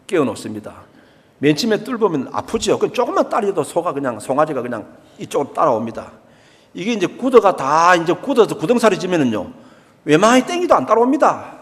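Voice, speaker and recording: Older Gyeongsang pastor with lively pitch. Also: male voice. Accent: Gyeongsang Korean. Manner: emphatic, repeats key phrases, acts out everyday speech. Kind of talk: sermon. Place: church sanctuary. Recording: long church reverb.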